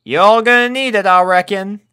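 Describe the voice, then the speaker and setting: A man voicing a steady, no-nonsense farm mare in a pony story, frank and folksy in a country drawl. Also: high-pitched, moderate pace, clear, resonant tone, pitched above the performer's own voice. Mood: friendly.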